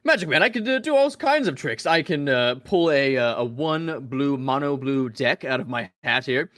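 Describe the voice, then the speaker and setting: A man putting on the voice of a boastful male stage magician with a weird accent, speaking in halting showman patter full of drawn-out uhs. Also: mid-range voice, expressive, fairly bright tone, no echo, studio quality, natural voice. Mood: showy. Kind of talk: podcast banter, comic impression.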